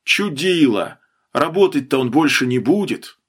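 Male narrator voicing a cheeky, mocking handler guy, animated. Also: medium pitch, unhurried, husky, full character voice.

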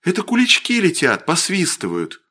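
A man voicing a bold, steady village boy who speaks in a measured, deliberate way. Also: sits high, husky, pitched above the performer's own voice, full character voice. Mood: calm, grave. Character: bold, steady peasant boy, calm and fatalistic.

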